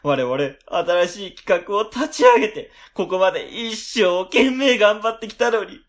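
A man playing a flustered, excitable ward office worker in a radio drama. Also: high-pitched, a little slow. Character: flustered, excitable male civil servant. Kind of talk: amateur web radio drama acting.

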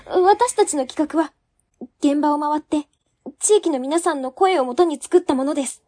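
A woman's voice: high-pitched, normal speed, dark tone, lightly acted. A woman playing an earnest, polite young female ward office employee in an amateur web radio drama. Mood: determined, challenging. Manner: polite, sincere, formal.

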